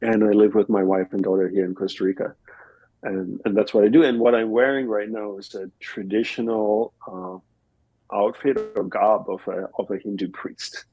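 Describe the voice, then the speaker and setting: Guy from australia, warm husky voice, talks it through slow and reflective, dry sound. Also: fairly low pitch, fairly even intonation, no echo, poor audio. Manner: reflective, explains in plain step-by-step examples. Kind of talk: relaxed conversational interview answers. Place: home in Costa Rica.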